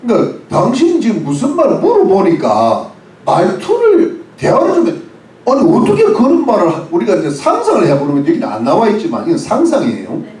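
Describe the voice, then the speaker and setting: A man's voice: high voice, wildly swooping pitch, a little fast, darkish tone, reverberant, recorded from a distance, rough recording. A man preaching a sermon as pastor, explaining words one by one with English phrases and asking the congregation questions. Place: church.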